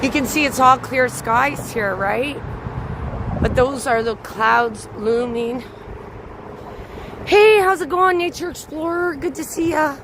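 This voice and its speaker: A slightly hoarse woman chatting with her viewers as she walks a city bridge at night, greeting them by name. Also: high-pitched, slow. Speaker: livestream host. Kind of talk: live walking vlog chatting with viewers. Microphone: handheld camera on a gimbal. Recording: outdoor street recording with clear traffic noise. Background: traffic noise.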